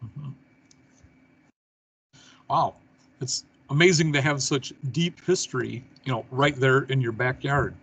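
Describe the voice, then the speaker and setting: Middle-aged male talk-show host, husky, easygoing. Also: mid-range voice, steady tone, unhurried, pauses often, a bit bright, low-quality recording. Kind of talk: hosting an online talk show.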